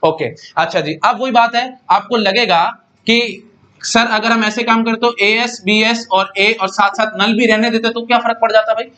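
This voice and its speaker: Guy teaching a class, fairly high voice, chatty, keeps asking if u got it. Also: fairly even intonation, normal speed, sharp tone. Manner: chatty, repeats himself, keeps asking students if they follow. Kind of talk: casual classroom lecture.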